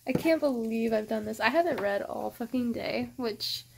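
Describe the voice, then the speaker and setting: A woman's voice: on the high side, normal speed, creaky, background noise. Gushing, chatty young woman vlogger. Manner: gushing, swears often, chatty with lots of fillers. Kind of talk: casual chat.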